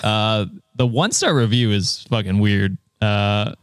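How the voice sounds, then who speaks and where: A man's voice: lowish voice, unhurried, smooth, dry recording, studio quality. A man co-hosting a podcast, chatting casually, rambling, laughing often and swearing. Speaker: podcast co-host. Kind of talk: casual chat reacting to a post.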